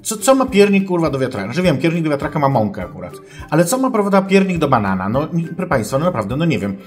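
A man's voice: fairly high pitch, big pitch swings, quick pace, darkish tone. A man playing a pompous, crude self-styled female sex therapist, lecturing in mock-scholarly tones and swearing, over faint background music. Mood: indignant. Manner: mock-scholarly lecturing, keeps addressing the audience formally, swears. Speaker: advice-show host. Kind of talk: comic character monologue.

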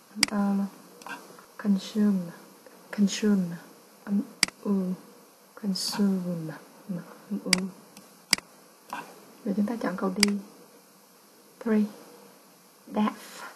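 A woman's voice: medium pitch, noisy background. A woman English teacher with a Vietnamese accent, patiently explaining test answers and repeating each word.

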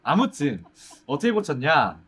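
A young man from Ulsan, a musical actor, chatting quickly and animatedly in a casual Q&A. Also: a little high, breathy edge. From Ulsan, South Korea. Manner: quick, animated, chatty with self-deprecating laughs. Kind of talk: casual Q&A chat. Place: indoor stage set, seated.

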